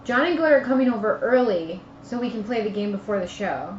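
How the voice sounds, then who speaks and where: A woman's voice: medium pitch, lively intonation, a little fast. A blunt, argumentative woman chatting casually as a player in a board game stream. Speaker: player on a gaming live stream. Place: indoor room at a game table. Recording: echoey room, muffled lo-fi, faint noise.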